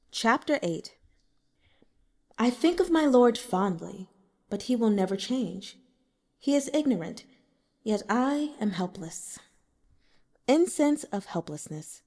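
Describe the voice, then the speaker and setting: A woman narrating a translated novel as an audiobook in a measured, expressive storytelling manner. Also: medium pitch.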